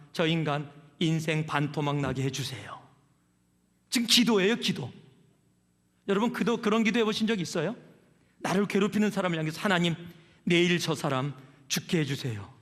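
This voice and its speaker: A man's voice: high-pitched, a little fast, a bit bright, long reverb tail. A man preaching a sermon as a pastor, telling stories and asking the congregation questions in a conversational way. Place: church sanctuary.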